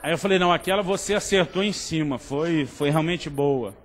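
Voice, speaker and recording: A man's voice: a little high, moderate pace, a crowd in the background, noisy background. A middle-aged Brazilian man preaching a sermon with a Brazilian Portuguese accent, telling stories with humor and acting out dialogue. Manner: humorous, animated, acts out dialogue. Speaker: pastor. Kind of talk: sermon with storytelling.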